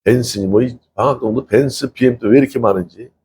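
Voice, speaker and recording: A man's voice: medium pitch, fast talker, a little mellow, slight background noise. A middle-aged male pastor giving a conversational sermon, chatting with the congregation, asking them questions and acting out little quotes. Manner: chatty, asks the congregation questions, laughs often, acts out quotes.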